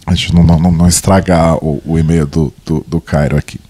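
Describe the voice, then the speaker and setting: A man's voice: rumbling low, a little fast. A young man from Brazil with a cold, co-hosting a podcast in playful, chatty talk and reading listener emails aloud. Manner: playful, chatty, reads at a steady pace. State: has a cold. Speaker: podcast co-host.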